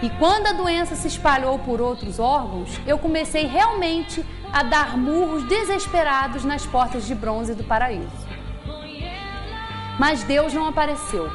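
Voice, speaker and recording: A frank, calm young man facing death, as a woman reads him aloud. His lines come in a high, steady voice over clear background music. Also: a little slow. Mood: earnest.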